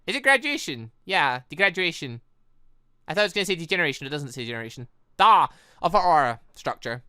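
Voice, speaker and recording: A man's voice: a little high, sing-song, fast, bright, forceful tone, smooth, no echo, studio quality. A British man giving casual, rambling let's-play commentary on a visual novel, stumbling over words and correcting himself as he goes. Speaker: gaming video host.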